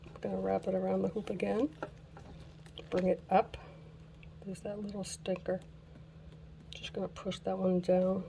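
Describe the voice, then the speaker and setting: A woman hosting a casual craft tutorial who is losing her voice, chatting slowly while she works and laughing at her own mishaps. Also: mid-range voice, flat delivery, creaky, dark tone, a little hiss or hum. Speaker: craft channel host.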